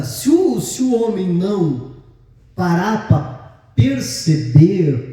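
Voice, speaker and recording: Lively Brazilian pastor preaching in an echoey hall. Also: male voice, sits high. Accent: Brazilian Portuguese. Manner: lively storytelling, acts out quoted voices. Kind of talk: sermon. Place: church hall. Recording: echoey church hall, distant mic.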